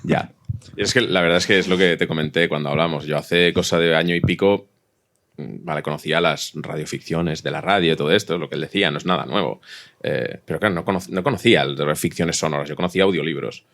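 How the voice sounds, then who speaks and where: Low-voiced, fast-talking man from Spain. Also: a bit bright. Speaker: panelist, audio fiction podcaster. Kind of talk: casual anecdote telling.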